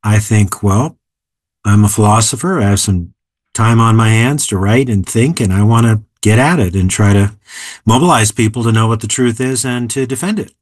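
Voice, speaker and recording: A man in his seventies, an author and philosopher, explaining ideas in a measured, emphatic way during an interview. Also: lowish voice, dry recording. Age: 70s. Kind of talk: interview conversation.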